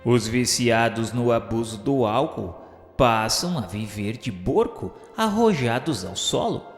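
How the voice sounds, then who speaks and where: An actor playing an earnest spirit pupil who recounts a journey in formal, literary radio drama narration. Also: male voice, medium pitch, lively intonation, unhurried, close to an everyday voice. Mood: sombre, descriptive. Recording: echoey hall reverb, music behind.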